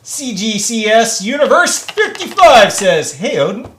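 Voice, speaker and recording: A man's voice: high voice, sing-song, sharp tone, roomy sound, a little hiss or hum. A man guesting on a casual livestream, joking and reading out viewer comments. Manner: joking, slow and drawn-out, reads chat aloud. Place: workshop.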